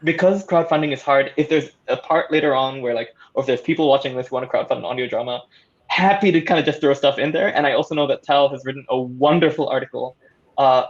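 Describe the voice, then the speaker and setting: A man's voice: mid-range voice, fairly even intonation, fast talker, dull audio. A man speaking as a panelist in a casual discussion, articulate and wordy, with emphatic phrasing. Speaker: audio drama producer on a panel.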